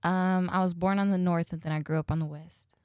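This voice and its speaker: A woman's voice: on the low side, fairly even intonation, fairly quick, clean tone, dry recording, studio quality. A young woman from Ohio, a guest giving short, shy answers. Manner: brief, shy answers with soft laughs.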